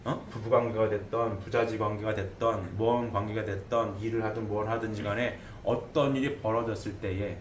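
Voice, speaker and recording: A man's voice: on the low side, steady tone, brisk, few pauses, a little hiss or hum. A middle-aged man preaching a sermon emphatically, often asking his congregation questions and tagging "eh?". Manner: emphatic, asks the congregation questions, frequent "eh?" tags. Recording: echoey hall with faint ambience.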